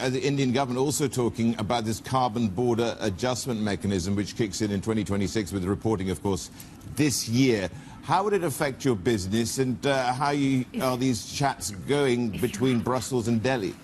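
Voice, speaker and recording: A man's voice: mid-range voice, slight background noise. A man moderating a formal business interview and putting questions to guests.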